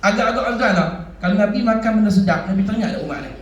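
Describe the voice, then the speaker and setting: A male religious teacher gives a sermon in a small village prayer hall. His voice sits high, and he tells stories in an animated way, acting out the speech of others. The hall rings with echo, and he sounds a little distant from the microphone. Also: rapid-fire, highs cut off, a little hiss or hum. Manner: animated storytelling with laughter and acted quotes. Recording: echoey hall, speaker far from mic.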